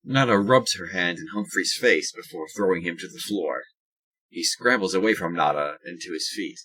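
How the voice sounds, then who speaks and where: A man's voice: sits low, normal speed, fairly bright tone, breathy edge, rough recording. A man narrating a scripted audio drama as its storyteller.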